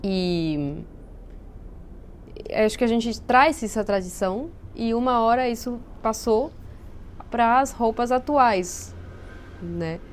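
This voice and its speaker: A woman's voice: a little high, animated, takes it slowly, long pauses, slight background noise. A Peruvian woman with a Spanish accent, a native Spanish speaker, talking as an interview guest in a thoughtful, explanatory way and sometimes searching for words. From Peru. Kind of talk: casual interview chat.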